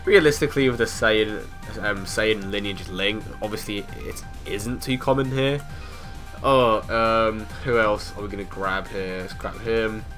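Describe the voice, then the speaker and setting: Young man, head cold, bright tone, casual game commentary, chatty, filler words, faint music behind. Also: on the low side. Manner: chatty, lots of ums and restarts, quick laughs. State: has a cold, sounds a bit off. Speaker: mobile game video host.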